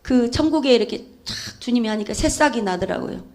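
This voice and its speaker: A woman preacher delivers a heartfelt church testimony. She moves between fervent, loud exhortation and quiet, intimate storytelling. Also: on the high side, lively intonation, a little fast. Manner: fervent, swings from loud urging to hushed storytelling. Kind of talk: emotional church testimony sermon.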